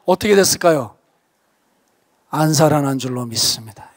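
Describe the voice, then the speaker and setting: High-voiced pastor, earnest revival sermon. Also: male voice, animated, normal speed, no echo, clean studio sound. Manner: earnest, emphatic storytelling, drops to a hush for stress. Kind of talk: revival sermon with personal testimony. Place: church revival meeting.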